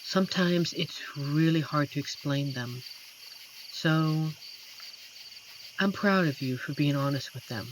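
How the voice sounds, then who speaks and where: A performer voicing an amiable, shy werewolf forest protector in a roleplay audio drama, speaking gently and hesitantly with earnest pauses. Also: medium pitch, lightly acted. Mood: comforting. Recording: noisy track with night cricket ambience. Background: crickets and night forest insect ambience.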